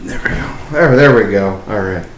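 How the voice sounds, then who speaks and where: A man's voice: lowish voice, moderate pace. A young man hosting his own podcast, talking casually and rambling with lots of fillers and apologies. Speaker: podcast host. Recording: echoey room, faint hiss.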